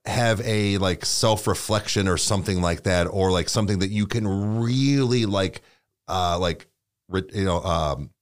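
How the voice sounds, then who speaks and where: A young man with a fairly low voice co-hosts a casual podcast. He talks haltingly and keeps searching for the right word, with an easy swear thrown in here and there. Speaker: podcast co-host.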